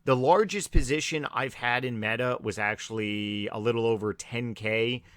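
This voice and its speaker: A man who is raspy from allergies, giving a low-key, filler-heavy stock market vlog. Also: normal speed, a bit bright, dry recording, clean studio sound. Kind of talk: casual market commentary.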